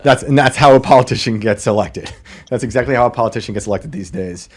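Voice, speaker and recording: A man's voice: medium pitch, fast talker. A man hosting a podcast interview, wry and joking, laughing often. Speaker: podcast host. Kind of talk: casual interview chat.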